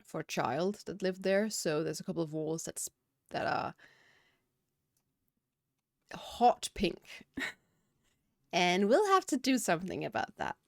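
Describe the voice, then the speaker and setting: A woman's voice: lowish voice, big pitch swings, slow pace, gravelly, pauses often, dry recording, clean studio sound. A woman with a Danish accent, a game streamer chatting casually at her home computer and answering chat. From Denmark. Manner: chatty, reads out chat questions and answers them. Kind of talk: casual chat while gaming. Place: home room, windows and curtains.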